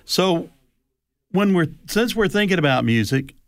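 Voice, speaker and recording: A man's voice: sits high, lively intonation, measured pace, no echo. Male radio host, friendly, reads listener questions, dry close mic. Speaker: radio talk show host.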